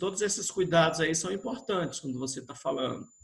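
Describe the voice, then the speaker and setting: A man is speaking. His intonation is lively. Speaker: pastor teaching homiletics. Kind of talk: lecture.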